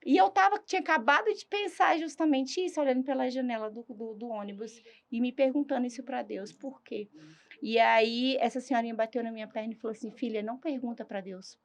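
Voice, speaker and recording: A woman giving a personal faith testimony as a talk show guest, in an animated storytelling manner that reenacts dialogue. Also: fairly high pitch, brisk.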